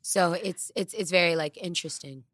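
A low-voiced woman co-hosting a laid-back podcast chat speaks at normal speed, candid and animated, her voice going up and down in bursts. She's from the Bronx, New York, and her studio podcast mic picks up no echo.

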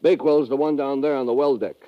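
A man's voice: medium pitch, steady tone, fast, lightly acted. Male actor as savvy lieutenant, slangy, matter-of-fact first mate, muffled vintage radio adventure sound. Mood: easy, knowing. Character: brisk, knowing male US Navy lieutenant, ship's first mate. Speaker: supporting actor in a radio drama. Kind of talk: 1950s radio adventure drama acting. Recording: dull old radio recording.

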